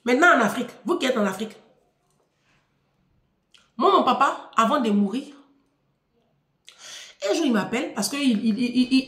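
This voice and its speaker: Brief: Ivorian woman, video creator, scolding monologue, lively intonation, repeats phrases. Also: high voice. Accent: Ivorian French. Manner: mocking, lecturing, repeats phrases for emphasis. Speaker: video creator addressing the diaspora. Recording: echoey room.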